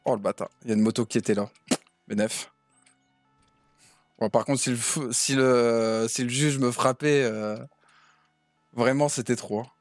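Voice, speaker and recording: A man's voice: mid-range voice, fairly even intonation, moderate pace, pauses often, no echo, faint music behind. A man streaming a roleplay game as a cheeky defendant, talking in slang and laughing often. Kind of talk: in-character roleplay chat.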